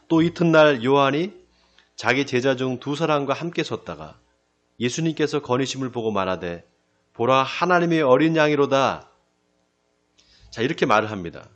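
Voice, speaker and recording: A male pastor giving a sermon. He asks the congregation questions and answers them himself, slows down to stress key phrases, and often drops to a quiet close. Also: mid-range voice, lo-fi sound, faint music behind. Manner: lively preaching, rising then dropping to a quiet close. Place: church sanctuary.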